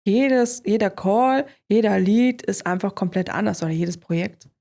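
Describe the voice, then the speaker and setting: A woman's voice: medium pitch, moderate pace, vocal fry, dark tone. Upbeat woman guest saying "ja" a lot. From Germany. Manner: upbeat, affirming with frequent "ja". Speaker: guest, sales employee. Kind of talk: casual interview answers.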